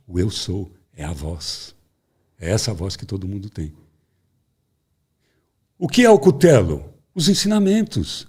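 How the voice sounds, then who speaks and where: Guy telling a spiritual story, husky voice, really lively ups and downs. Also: medium pitch. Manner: animated storyteller, acts out voices.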